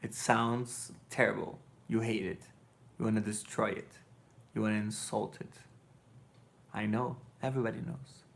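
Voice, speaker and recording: A man's voice: fairly low pitch, little pitch movement, moderate pace, gravelly. A man in his thirties with a Brazilian accent, sleepy and rambling loosely as he answers chat on a live stream from his living room. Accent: Brazilian Portuguese. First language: Portuguese. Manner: loose, digressive, self-correcting, blunt. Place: living room with couch and colored lights.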